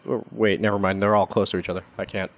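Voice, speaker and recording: Hesitant low-voiced man at a game table. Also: little pitch movement, fast. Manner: hesitant, thinking aloud. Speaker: player. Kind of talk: casual tabletop play.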